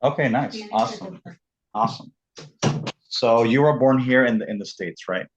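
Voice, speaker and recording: A man from Southern California hosting a casual podcast interview, talking in halting bursts and often repeating his words. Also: mid-range voice, highs cut off, a crowd in the background. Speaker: podcast host.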